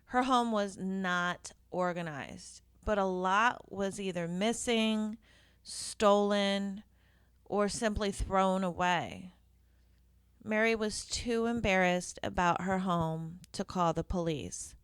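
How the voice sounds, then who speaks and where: A woman, a professional organizer, hosting her own podcast and telling stories in a conversational, deliberate way with occasional fillers. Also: mid-range voice, clean tone, no echo. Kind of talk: solo podcast storytelling.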